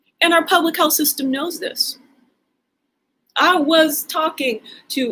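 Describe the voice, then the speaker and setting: A woman's raised, projected voice, bright and sharp, animated in tone, at a moderate pace. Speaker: improv performer and wellbeing philosophy founder. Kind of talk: improvised monologue.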